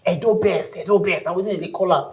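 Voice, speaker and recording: A woman's voice: lowish voice, quick pace, darkish tone, rough recording. A woman with a Nigerian accent co-hosting a studio talk show, bantering teasingly in Pidgin and English. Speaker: co-host. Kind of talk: playful radio-style chat in Pidgin and English.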